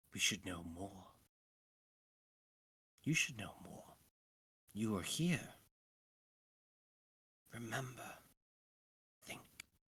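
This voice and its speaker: A man speaks in a put-on character voice at a medium pitch, very slowly, with lively intonation, big swings in loudness, and long, frequent pauses. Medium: actual play.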